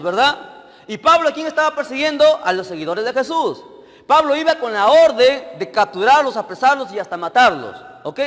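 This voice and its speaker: High-voiced emphatic man preaching a sermon. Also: in a large hall. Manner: emphatic, questions the congregation often; swings between loud and soft delivery. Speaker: evangelist preacher.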